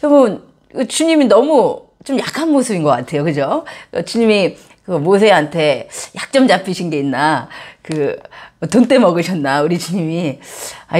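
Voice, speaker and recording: A woman pastor preaches at a church service in a lively, joking way, talking straight to her listeners. Her voice sits on the high side and swoops up and down, with a slightly husky grain. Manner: animated, joking, talks directly to the congregation. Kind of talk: sermon.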